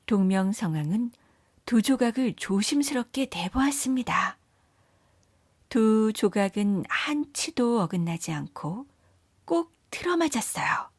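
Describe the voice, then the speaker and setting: A woman reading scripted children's story narration in a measured, careful storytelling manner. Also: fairly high pitch, expressive, no room sound.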